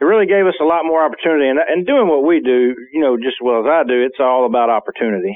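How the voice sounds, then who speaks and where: Talking at a very fast pace with hardly any pauses, a man with an American accent uses a fairly high pitch, lively intonation and very even loudness. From Alabama, US South. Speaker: hunting show co-host. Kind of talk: casual interview chat.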